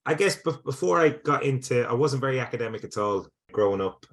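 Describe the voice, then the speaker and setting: An Irish sports psychology lecturer answers interview questions conversationally, often restarting and repeating words. His mid-range voice is animated and a little fast.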